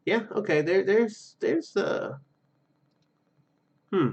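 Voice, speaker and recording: A man hosting a gaming video, commenting casually and reading game text aloud in a halting, rambling way. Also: high voice, vocal fry, darkish tone, slightly rough, muffled recording.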